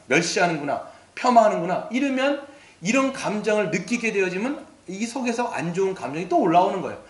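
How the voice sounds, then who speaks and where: Male pastor, sermon delivery, high pitch, lively, reverberant church room. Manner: lively and animated, acting out quoted attitudes. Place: church sanctuary. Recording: echoey church hall.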